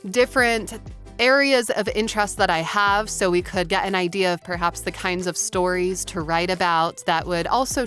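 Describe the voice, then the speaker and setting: A woman's voice: lowish voice, fairly bright tone. A woman voice-over artist talking to viewers in an informal explainer vlog. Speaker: voice-over artist sharing industry tips.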